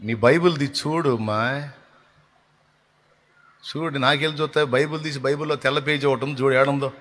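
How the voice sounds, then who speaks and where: Man, pastor, impassioned sermon, husky, mid pitch. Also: steady tone, normal speed, a bit bright. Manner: impassioned preaching, retelling scripture scenes and asking the congregation questions. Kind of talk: Telugu sermon.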